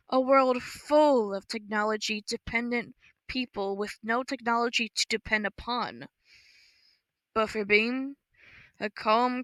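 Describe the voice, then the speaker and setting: A woman reads a story in a slow, measured, even way. Her tone is bright and a little high, captured close on a dry studio mic with no room sound. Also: dry recording. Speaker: audiobook narrator. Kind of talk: scripted story narration.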